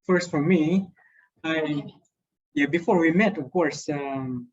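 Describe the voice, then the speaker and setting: A middle-aged man from the Philippines with a Filipino accent, giving a halting testimony talk full of fillers and restarts. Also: a little high. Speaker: guest speaker, doctor. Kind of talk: testimony talk on a video call. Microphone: video call. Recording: dull lo-fi call audio.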